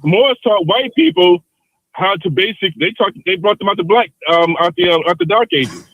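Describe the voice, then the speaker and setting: A man's voice: high-pitched, moderate pace, a bit bright, no echo, lo-fi sound. A man in his fifties calling into a live show, arguing insistently and repeating the same points again and again. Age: 50s. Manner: insistent, repeats himself over and over. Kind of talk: heated call-in debate.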